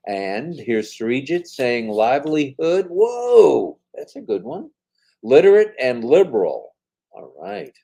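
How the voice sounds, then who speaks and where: A man's voice: medium pitch, sing-song, slow, creaky, warm tone. An older man co-hosting a casual live-stream chat, reading viewer comments aloud in an upbeat, chatty way.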